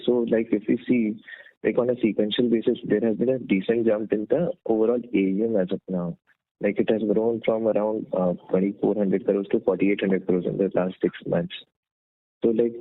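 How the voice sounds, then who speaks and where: Low-voiced Indian analyst on phone. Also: male voice. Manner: hesitant, polite. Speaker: analyst asking questions. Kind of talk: earnings call questions. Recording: thin narrow-band phone line.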